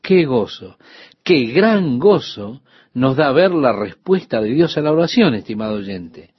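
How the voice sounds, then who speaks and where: A man's voice: mid-range voice, sing-song, unhurried, slightly rough, no room sound, muffled recording. An older man, a pastor, giving a radio sermon in an earnest teaching tone with rhetorical questions to the listener.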